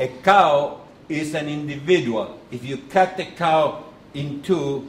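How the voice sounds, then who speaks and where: A man with an Argentinian accent speaks at a very slow pace in a fairly high pitch with ordinary pitch variation and big swings in loudness, amid noticeable background noise and audible room echo. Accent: non-native, Argentinian. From Argentina. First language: Spanish. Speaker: economist, conference speaker. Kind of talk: lecture. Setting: conference, audience.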